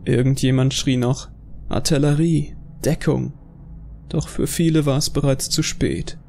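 A man narrates a scripted horror audio drama in a gravelly voice of medium pitch. There is faint noise behind his narration. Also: fairly even intonation, unhurried, warm tone.

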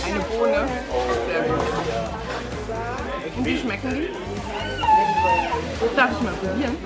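A woman's voice: on the high side, expressive, slow, loud music behind the voice, over a noisy crowd. A woman in her thirties chatting casually to the camera and her child as a family vlog host.

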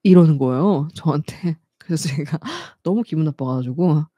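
A woman's voice: low voice, normal speed, husky, no room sound, studio quality. A young woman hosting a casual live stream, telling stories with frequent laughs and acting out the people she met. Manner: lively, laughs often, acts out quoted people. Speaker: YouTube host.

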